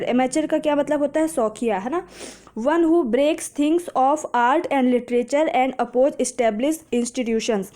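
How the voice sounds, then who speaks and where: An exam prep teacher, a woman with a high yet soft and dark-toned voice, goes through vocabulary for an exam. Patiently, she asks questions and answers them herself, tying words to simple memory tricks, and pronounces English phrases slowly and carefully.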